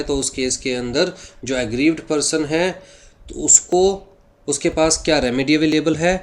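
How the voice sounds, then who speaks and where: A man with a fairly high voice teaches a law lesson, reading English passages slowly in an Indian English accent. He then explains each point in a mix of Hindi and English, asking questions and answering them himself. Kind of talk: classroom lecture.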